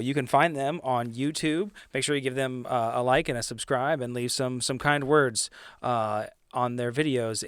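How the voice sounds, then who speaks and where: A man with an ordinary, middle-pitched voice. He talks casually and informally, as a podcast regular and player in a tabletop game show would. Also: fairly bright tone, smooth, no room sound, studio quality. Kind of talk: casual chat.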